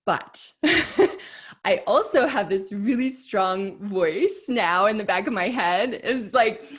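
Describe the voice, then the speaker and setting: A woman's voice: medium pitch, lively intonation, slow, breathy edge. A woman leading a workshop in a chatty, conversational storytelling manner, often saying "like" and correcting herself mid-sentence. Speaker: workshop leader.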